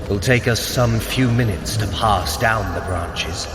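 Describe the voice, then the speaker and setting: An actor playing a sly, haughty trickster god in an audio adventure, precise, formal and theatrical. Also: male voice, on the low side, a little slow, reverberant, big-room sound, over music, lightly acted. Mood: haughty, urgent. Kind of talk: scripted audio adventure acting.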